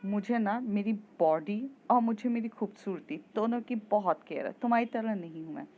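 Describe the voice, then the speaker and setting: A woman's voice: medium pitch, moderate pace, narrow, tinny audio, close to an everyday voice. Woman voicing a vain, picky young woman. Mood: snooty. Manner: haughty, mixes in English.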